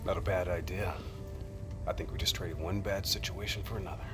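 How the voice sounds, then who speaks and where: A man playing a gruff, foul-mouthed soldier. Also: sits low, steady tone, brisk, over music, close to an everyday voice. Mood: dry. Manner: gruff and sarcastic. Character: blunt, foul-mouthed male special-ops soldier. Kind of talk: video game cutscene acting.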